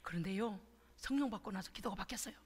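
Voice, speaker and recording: A middle-aged woman pastor giving an emotional sermon, swinging from whispers to shouts and acting out prayers. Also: medium pitch, fast talker, slight background noise. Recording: church hall with long reverb.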